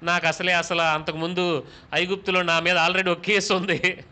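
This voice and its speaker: A man voicing a timid male prophet who pleads that he is slow of speech, within a spoken sermon. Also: high-pitched, little pitch movement, sharp tone, pitched below the performer's own voice. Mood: pleading.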